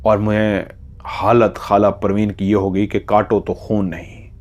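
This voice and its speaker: A man's voice: lowish voice, little pitch movement, a little slow, darkish tone, dull audio. A man narrating a horror story dramatically, in a suspenseful way, repeating phrases for emphasis.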